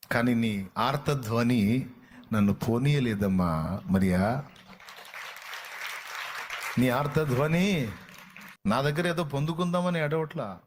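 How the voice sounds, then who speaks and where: A man doing a gentle, tender Jesus. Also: medium pitch, lightly acted. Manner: tender, slow and pleading. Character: risen Jesus, gentle tender man speaking to a grieving woman.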